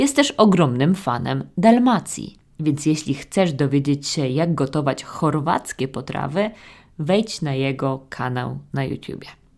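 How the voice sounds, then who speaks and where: Lively intonation at a very slow pace, on a very clean recording with a silent background. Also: woman, very deep, low pitch for a woman. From Poland. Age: middle-aged. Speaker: Polish language teacher, podcast host. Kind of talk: educational podcast monologue.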